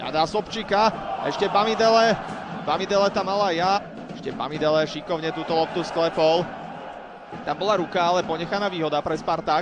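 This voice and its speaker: A high-pitched man talks at a fairly quick pace with fairly even intonation. Noticeable background noise can be heard. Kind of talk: live football commentary.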